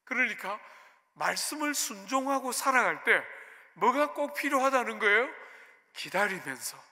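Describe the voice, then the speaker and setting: A man's voice: very high-pitched, big pitch swings, normal speed, sharp tone. A middle-aged male pastor preaching a sermon, telling a personal story and asking the congregation rhetorical questions. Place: church sanctuary. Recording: long hall reverb in a church.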